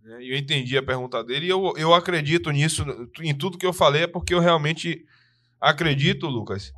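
Earnest Brazilian podcast co-host. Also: male voice, a little high, fairly quick, fairly bright tone. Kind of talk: casual podcast chat, reading viewer messages.

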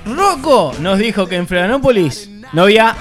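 A man jokes on a radio talk show in a high, lively voice that leaps up and down. He mocks and exaggerates in casual banter. Faint music sits underneath. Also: moderate pace. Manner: mocking, exaggerated. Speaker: radio co-host.

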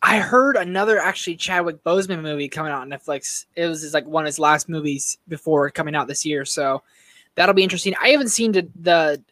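A young man co-hosts a podcast in loose, animated chat, his voice a little high and bright. He talks in slang and laughs often. The sound is close and dry. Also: fast, no room sound. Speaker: podcast co-host. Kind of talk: casual chat.

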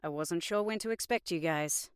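A woman's voice: lowish voice, moderate pace, clean tone, dry recording, clean studio sound, close to an everyday voice. A woman playing a pessimistic young spellcaster in an audio drama, offhand and blunt. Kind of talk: naturalistic audio drama acting.

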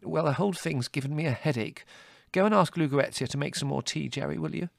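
Man voicing a flustered, plaintive mother, pitched up. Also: fast, gravelly, dry recording, clean studio sound. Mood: shaken, reproachful. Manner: weak, plaintive, placating. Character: flustered, anxious, gently scolding middle-aged English mother.

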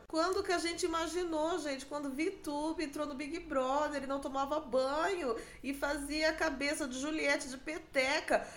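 A woman's voice: sits high, fairly bright tone, roomy sound. A Brazilian woman hosting a podcast alone, chatting casually and mockingly with frequent laughs. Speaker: podcast host. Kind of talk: casual gossip monologue. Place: room at home.

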